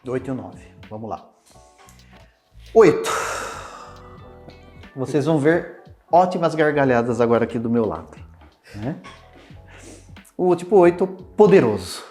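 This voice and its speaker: A man with a Brazilian Portuguese accent, explaining personality types in an expressive talk, acting out everyday examples as he goes. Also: measured pace, long pauses, faint music behind. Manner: expressive, swings pitch widely, acts out examples. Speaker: enneagram teacher.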